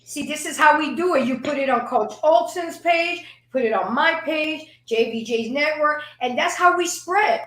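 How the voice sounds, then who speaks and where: A fairly high-voiced woman talking with passion in a casual panel chat, cursing freely and tripping over repeated words as she builds a point. Her voice carries the echo of a bare, roomy space. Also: moderate pace, hardly any pauses, a bit bright. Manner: emphatic, profane, repeats words when worked up.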